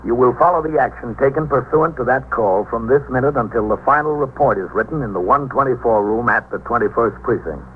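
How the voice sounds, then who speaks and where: An actor playing a male police captain who narrates his precinct's work in a 1950s radio drama, speaking in a measured, deliberate way. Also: medium pitch, lightly acted. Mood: calm. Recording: tinny lo-fi 1950s radio broadcast with faint hiss.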